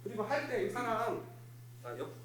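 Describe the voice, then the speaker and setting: A man's voice: sits high, big pitch swings, moderate pace, a bit bright, slight background noise. Man teaching first aid in an echoey hall. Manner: instructive, repetitive, talks to a live group. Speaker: fire safety instructor. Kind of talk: hands-on first aid demonstration. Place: hall of a place of worship.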